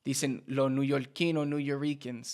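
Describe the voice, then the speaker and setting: Slow-talking Puerto Rican-accented man. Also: mid-range voice, level tone, a little mellow. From United States. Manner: slow, repeats and restarts words while explaining. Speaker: Spanish teacher. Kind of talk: casual teaching to camera.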